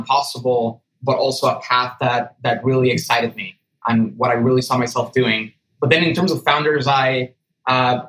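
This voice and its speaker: A man's voice: medium pitch, fairly bright tone, poor audio. A man in his thirties, from Venezuela, a startup founder answering podcast interview questions in an earnest, conversational way with fillers and restarts.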